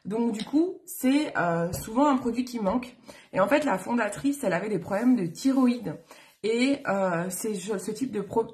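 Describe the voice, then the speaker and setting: Woman, mid-pitched, casual live-stream chat, rambling, filler-heavy, doing makeup as she talks. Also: a little mellow. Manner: chatty, rambling, frequent fillers and self-corrections. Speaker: beauty vlogger on a live stream.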